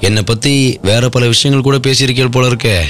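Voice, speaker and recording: An actor playing a curious young man back from abroad who asks questions in a lively way, in a radio drama. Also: mid-range voice, lightly acted. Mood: inquisitive. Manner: quick, inquisitive, lively.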